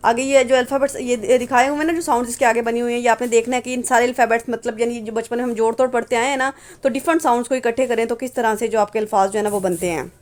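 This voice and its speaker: A woman's voice: on the high side, fairly even intonation, very fast, hardly any pauses. A woman teaching English phonetics, patiently repeating example words and asking and answering her own questions. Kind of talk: phonetics lesson explaining symbols.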